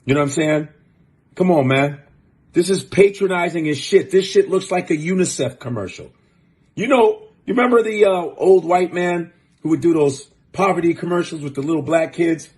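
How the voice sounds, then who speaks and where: A man's voice: fairly high pitch, moderate pace, a little mellow. A man hosting a show, giving blunt, profane, fired-up commentary in casual talk. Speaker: host.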